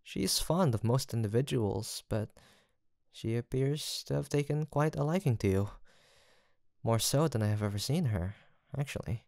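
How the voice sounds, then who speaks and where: A man playing a gentle, earnest apothecary in a fantasy audio roleplay, soft-spoken, formal and courteous, with some hesitation. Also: medium pitch, moderate pace, gravelly, no echo, studio quality, lightly acted. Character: gentle, earnest, guilt-haunted male apothecary in fantasy village. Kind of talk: soft, sweet roleplay acting addressed to the listener.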